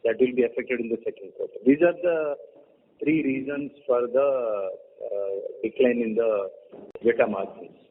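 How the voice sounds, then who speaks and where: A man with an Indian accent, a company executive answering questions on a conference call, haltingly listing his points one by one. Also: medium pitch, slight background noise. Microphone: conference call phone. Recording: muffled narrowband conference call line.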